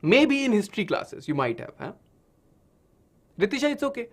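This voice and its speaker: A male science teacher with an Indian accent, a native Hindi speaker, gives a lesson to children. His voice sits high and swings widely in pitch. He builds things up like a dramatic story and often checks in with short questions. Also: very animated, normal speed. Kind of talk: animated online lesson for children.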